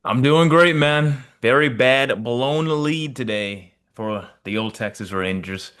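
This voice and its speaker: A man co-hosting a casual sports podcast sounds disappointed, talking with plenty of fillers and asides. His medium-pitched, fairly bright voice moves slowly and comes through clean.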